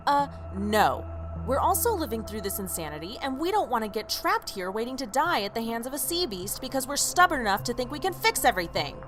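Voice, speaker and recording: Audio drama role: pragmatic, blunt young woman, lively higher voice with music underneath. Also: brisk, few pauses. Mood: firm, frustrated. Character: frank, pragmatic young woman favouring escape.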